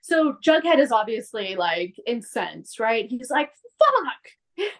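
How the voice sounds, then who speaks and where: A young woman co-hosting a casual podcast, recapping a TV episode and acting out the characters' lines with big jumps in her voice. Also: unhurried. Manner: animated storyteller, acts out characters' lines with big pitch jumps. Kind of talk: casual chat.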